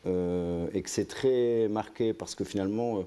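Host, very deep mellow male voice, halting delivery. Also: clear, resonant tone. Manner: halting, searching for words, many fillers. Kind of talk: interview conversation.

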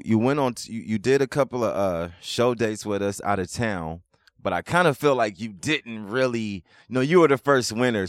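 A man's voice: on the low side, no echo, clean studio sound. A man hosting a casual podcast interview, asking loose, rambling questions. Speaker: podcast host.

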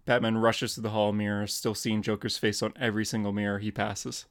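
A man's voice: on the low side, flat delivery, brisk. A young man co-hosting a podcast, chatting casually and narrating comic book scenes.

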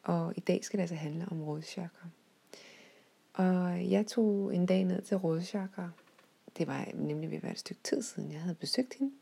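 Low, breathy woman, half-whispering. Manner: soft-spoken, often sinking to a whisper; gentle, unhurried storytelling with hesitations. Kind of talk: recounting a guided visualization journey.

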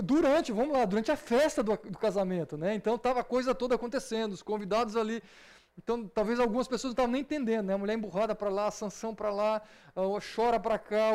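A man's voice: sits high, darkish tone, clear, resonant tone. A man with a Brazilian Portuguese accent, leading an informal Bible study lesson in a conversational way and often checking in with his listeners. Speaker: Bible teacher.

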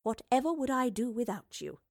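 Female professor-adventurer, voiced by a woman narrator, storybook. Brisk, cheerful, affectionate, politely old-fashioned. Dry. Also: on the high side, expressive, darkish tone, no room sound, pitched above the performer's own voice. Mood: fondly stern.

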